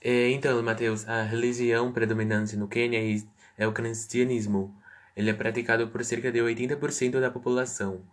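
A man's voice: mid-range voice, flat delivery, fairly quick. A man answering interview questions as a guest, reading prepared answers with stumbling restarts.

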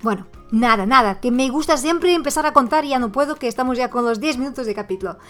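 Woman podcast host, slightly high voice, expressive monologue, faint music underneath. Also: fast talker. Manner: expressive, bursts of exclamations. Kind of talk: podcast monologue addressed to listener.

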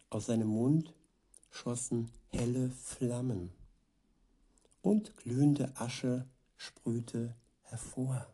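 A man reading Bible verses aloud and reflecting on them as a preacher, in a measured devotional manner, repeating passages for emphasis. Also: mid-range voice, dark tone, husky.

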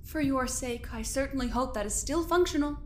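Woman acting a cold, high-voiced imperious scientist. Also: a little fast, a little hiss or hum, lightly acted. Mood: cold, impatient. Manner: clipped, formal, commanding. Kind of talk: audio drama acting.

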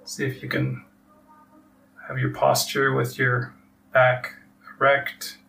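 Guy leading a body relaxation meditation, super slow n flat, long pauses, mic sounds far off w a bit of noise. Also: medium pitch, vocal fry. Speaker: meditation teacher leading a weekly group. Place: live group meditation session. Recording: distant mic with faint background noise.

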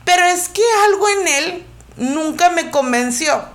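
A woman co-hosting a casual podcast chat in a high voice. She rambles emphatically through her thoughts, with plenty of fillers along the way. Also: measured pace, fairly bright tone. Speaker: podcast co-host.

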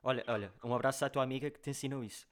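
A man's voice: medium pitch, fairly even intonation, rapid-fire. A man, co-hosting a casual chat in a slangy, joking, rambling way. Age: 20s. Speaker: podcast co-host.

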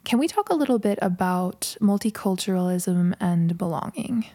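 A woman's voice: fairly low pitch, animated, normal speed, dark tone, dry recording, studio quality. A woman hosting a casual interview, upbeat and affirming, asking questions with lots of encouraging murmurs. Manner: enthusiastic, affirming, frequent "mm". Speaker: podcast host.

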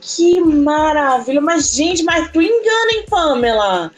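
A woman's voice: high-pitched, animated, measured pace, faint music behind. A Brazilian woman hosting a casual podcast interview, speaking informally and effusively.

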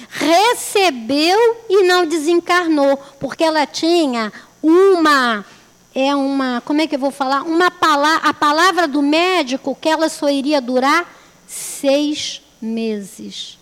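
A woman with a high voice gives a religious talk as a lay speaker at a spiritist center, and the recording has a big-room sound. She tells stories chattily, repeating phrases and posing rhetorical questions.

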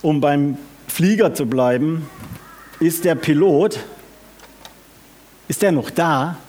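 A man preaching a sermon, often asking the congregation questions and speaking with lively emphasis. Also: fairly high pitch, slow pace.

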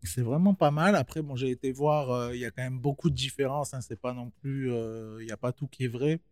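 A man's voice: medium pitch, a little fast, darkish tone, no echo. A young man giving a casual film review, slangy and chatty, talking straight to his viewers.

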